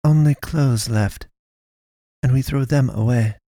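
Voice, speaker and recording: A man reading a story, voicing a stern foreign woman pastor who hunts monsters, speaking slow, blunt, broken sentences. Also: mid-range voice, mellow, dry recording, voice pushed up, natural voice. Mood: grave. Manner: broken grammar, blunt, measured.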